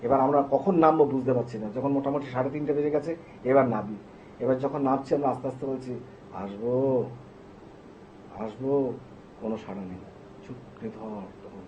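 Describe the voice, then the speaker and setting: A man, a tantric practitioner telling a story from his own life in a dramatic way. He swings from loud, emphatic bursts down to hushed, low tones. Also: fast talker. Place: TV studio. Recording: dull lo-fi TV sound with faint hiss.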